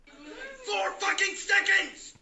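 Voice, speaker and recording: A man's voice: very high-pitched, animated, drawn-out words, vocal fry, sharp tone, voice pushed up, heavily acted. A man voicing a furious, easily irritated male vampire in a shrieking, cursing comic parody. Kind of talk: mocking comic impression.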